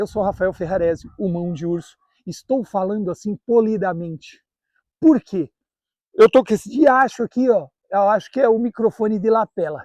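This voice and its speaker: This man's high voice carries an animated tone and ordinary pitch variation, recorded dry and close with no echo. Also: moderate pace, quiet background. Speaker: YouTuber teaching carnivorous plant care. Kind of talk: tutorial. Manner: normally loud, speaking quieter on purpose.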